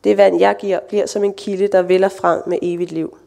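A woman reading the words of Jesus, a weary male traveler resting at a well, in a calm, measured scripture reading. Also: medium pitch, gravelly, lightly acted.

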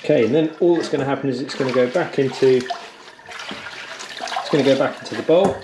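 A man's voice: mid-range voice, normal speed, noisy background. A man in his thirties giving an upbeat, practical outdoor how-to lesson as a bushcraft instructor, speaking on an action camera in the woods and a cabin. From England. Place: woodland camp and wooden cabin.

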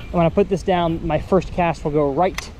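A man's voice: fairly high pitch, fairly even intonation, normal speed, darkish tone, rough recording. A man, chatting casually through a fishing vlog by an outdoor pond. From Texas. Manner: upbeat, chatty, thinking aloud while fishing. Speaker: fishing vlogger. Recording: outdoor recording with faint ambient noise.

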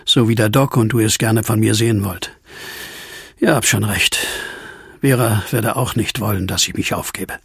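A man acting in a German audio drama as an earnest, troubled former asylum inmate with a husky, gravelly voice. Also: on the low side, normal speed, dry recording, studio quality, heavily acted. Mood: warm, resolute.

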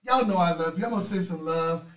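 Hoarse, high-voiced man shouting encouragement. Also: fast talker. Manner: loud, rousing, chanting names. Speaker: motivational livestream host. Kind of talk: energetic motivational pep talk. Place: indoors at a desk, virtual city background. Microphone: webcam on a video stream. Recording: echoey, distant mic.

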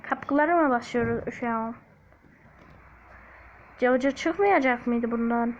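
A woman's voice: fairly high pitch, slow, lo-fi sound, a little hiss or hum. A young woman playing a video game, chatting jokingly to her viewers in a put-on Black Sea Turkish accent. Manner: joking, chatty, talks to viewers, hums snippets. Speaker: gaming YouTuber. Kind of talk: casual gameplay commentary.

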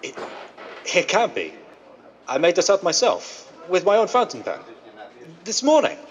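A man playing a smooth but nervous crooked businessman in a 1930s style radio drama. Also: high-pitched, huge pitch swings, unhurried, a little hiss or hum, heavily acted. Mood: flustered panic. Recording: dull band-limited vintage-style radio sound.

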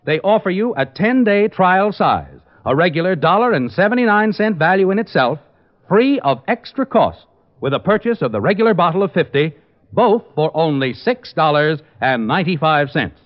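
A man's voice: sits high, very animated, moderate pace. An American man reading a scripted advertisement as a 1950s radio announcer. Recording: dull old radio recording.

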